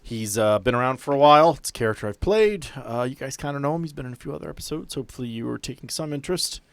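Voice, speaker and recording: A man's voice: mid-range voice, expressive, rapid-fire, clean tone, no room sound. A man bantering casually with friends as a player on a tabletop game podcast, joking and swearing freely. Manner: joking, profane.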